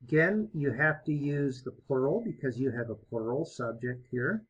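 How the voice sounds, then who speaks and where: A man teaching an online English lesson, explaining step by step in a slow, encouraging way. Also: medium pitch, animated, breathy edge, highs cut off. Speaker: ESL teacher.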